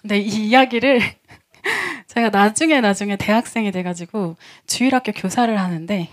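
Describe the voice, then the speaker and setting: A woman pastor in her thirties preaching a testimony sermon, telling stories in a lively way, acting out the voices of friends and laughing often. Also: mid-range voice, normal speed.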